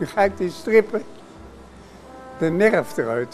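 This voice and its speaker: A man talks very slowly at a high pitch. Clear music plays in the background. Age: 80s+. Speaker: cigar maker. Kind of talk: interview and workplace demonstration.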